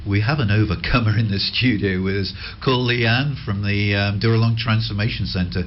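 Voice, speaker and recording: Radio host, male, lowish voice, gentle rambling interviewer, muffled lo-fi studio sound. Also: steady tone, fairly quick, slight background noise. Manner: gentle, rambling questions with restarts.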